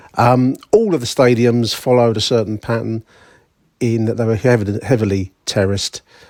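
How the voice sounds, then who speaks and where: In a very clean recording with a silent background, a man with a London accent talks in a monotone, flat way. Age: 60s. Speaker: football podcast host. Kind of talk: solo podcast monologue. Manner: halting, many fillers.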